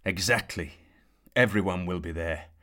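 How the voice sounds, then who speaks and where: A man voicing a gruff, short-tempered old knight with a white moustache. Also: low-pitched, normal speed. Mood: angry. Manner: blustering, loud.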